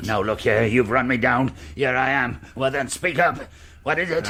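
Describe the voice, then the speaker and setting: A gruff, put-on character voice from a man at medium pitch, with ordinary pitch variation and a moderate pace. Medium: audio drama. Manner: gruff, commanding, sea slang.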